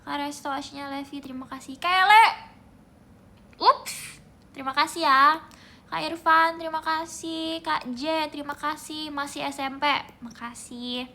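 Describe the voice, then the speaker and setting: A young woman streaming live, chatting playfully in a soft voice, humming bits of songs and thanking viewers by name. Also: high voice, fairly even intonation, moderate pace. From Indonesia. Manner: playful, soft-spoken, sings snippets and reads out gifter names. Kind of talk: casual livestream chat.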